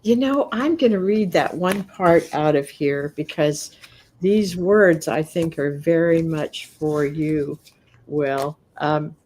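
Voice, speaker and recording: Woman host, low register, slow delivery, gentle and earnest card reader, slightly worn voice. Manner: gentle, earnest, laughs softly often. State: losing her voice. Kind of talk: spiritual live stream chat.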